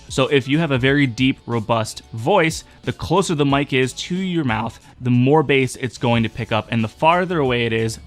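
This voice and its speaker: Young male tutorial host, baritone, matter-of-fact delivery, quiet music bed. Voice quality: mid-range baritone. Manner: steady, instructive, matter-of-fact. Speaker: streaming tech tutorial host. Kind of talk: explaining microphone setup tips. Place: home streaming desk. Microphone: dynamic mic on a boom arm.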